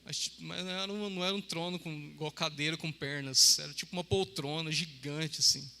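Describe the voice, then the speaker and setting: A man's voice: a little high, fairly even intonation, fairly quick, vocal fry, pushed and bright, slight background noise. A man from Brazil preaching a sermon, chatty and joking, often checking in with his listeners. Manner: chatty, joking, with frequent "amém?" and "né?". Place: church hall. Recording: church hall reverb.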